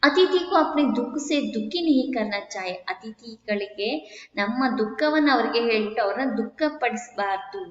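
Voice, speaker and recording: A woman's voice: fairly high pitch, lively intonation, moderate pace. A woman teacher reads each line and then explains it in plainer words. Her voice carries a long echo off the room. The sound is dull and muffled. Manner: reads Hindi lines, then retells them in Kannada. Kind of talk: explaining a Hindi textbook story in Kannada.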